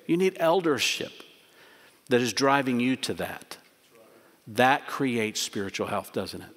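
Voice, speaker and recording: A middle-aged pastor preaches earnestly from a church pulpit in a medium-pitched, slightly bright voice, ending with a prayer. His delivery is emphatic, with repeated phrases. Long church hall reverb surrounds the recording.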